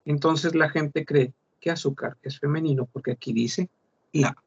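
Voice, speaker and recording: A man teaching a French class, slowly repeating words to model their pronunciation. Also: a little high, fairly even intonation, vocal fry, breathy edge. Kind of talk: online class lesson. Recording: dull lo-fi class recording.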